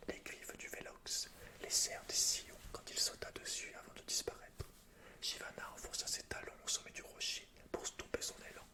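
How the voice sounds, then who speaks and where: A man reading game lore in a soft, hushed, breathy whisper, as the host of an ASMR gaming video. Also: moderate pace.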